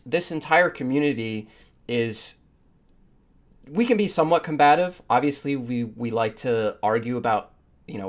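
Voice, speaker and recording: Male podcast co-host, average pitch, casual conversational delivery.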